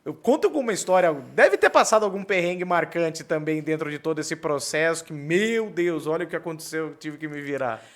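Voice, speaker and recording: A man's voice: on the high side, lively intonation, fairly quick, few pauses. A man hosting an interview podcast, asking long rambling questions in a casual, conversational way. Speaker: podcast host.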